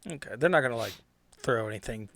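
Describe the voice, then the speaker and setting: A man's voice: mid-range voice, lively intonation, quick pace, fairly bright tone, no echo. A man chatting casually as a player in a tabletop game, hesitant and rambling.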